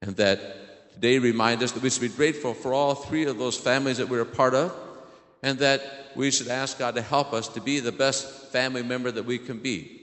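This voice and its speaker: A priest from southern Illinois with an American accent delivers a simple homily to children in a large church, asking them easy questions and repeating their answers. His mid-range voice is a bit bright and fairly quick, with fairly even intonation. The hall echoes with long reverb.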